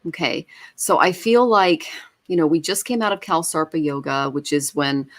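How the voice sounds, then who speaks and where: A woman's voice: low-pitched, moderate pace. A woman giving a live online tarot reading, speaking reflectively with many fillers. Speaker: tarot reader.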